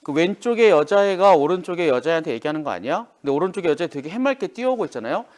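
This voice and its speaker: In a classroom lecture, a man talks informally to his students at a racing pace, his voice fairly high. He is lively and acts out the lines he quotes.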